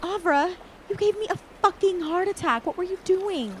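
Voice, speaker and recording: A woman playing an excitable, fretful young woman in an audio drama. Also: very high-pitched, moderate pace, a little hiss or hum. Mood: alarmed.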